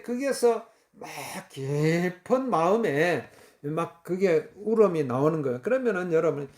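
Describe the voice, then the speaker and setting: Fervent high-voiced male preacher. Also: darkish tone. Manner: fervent, repetitive preaching with many fillers and throat clearing. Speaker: pastor. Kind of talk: sermon.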